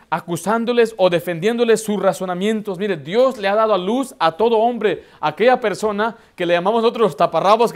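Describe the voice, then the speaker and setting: A male pastor preaching a sermon, posing questions to the congregation and answering them himself. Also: high-pitched. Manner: emphatic, asks rhetorical questions and answers them.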